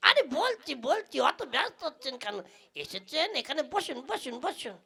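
Woman voicing male village tea seller, greedy, cheeky, bright forceful tone, creaky edge, comic puppet show. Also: high-pitched, big pitch swings, normal speed, heavily acted. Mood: cheeky, boastful. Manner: exaggerated, teasing, long-winded. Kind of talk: comic Bengali folk puppet play.

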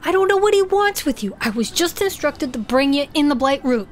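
A woman's voice: high-pitched, expressive, brisk, pitched above the performer's own voice. A woman voicing a cowardly, self-important male small-town deputy in a tabletop audio drama, pleading and blustering. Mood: nervous, evasive.

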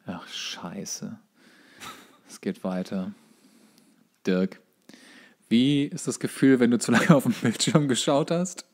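A man's voice: medium pitch, animated, slow, pauses often, a little mellow. Man bantering as a podcast co-host. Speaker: podcast co-host reading out a list. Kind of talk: casual comedic banter.

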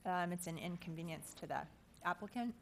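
A woman's voice: lowish voice, brisk, slight background noise. A woman explaining matters as a city staff official in a council chamber. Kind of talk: explanatory meeting remarks.

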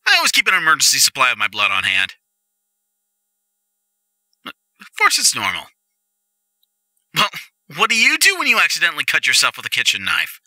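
Casting: male actor as goofy, reckless young jock boyfriend for roleplay audio, eager rambler, very bright, hugely animated delivery. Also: on the high side, moderate pace, long pauses, no room sound, full character voice. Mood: upbeat, reassuring.

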